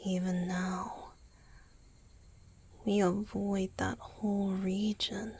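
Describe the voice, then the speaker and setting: A woman voicing a gentle, guilt-ridden young male vampire boyfriend in an ASMR roleplay, breathy and whispery, with a hesitant, tender, confessional manner. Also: mid-range voice, heavily acted.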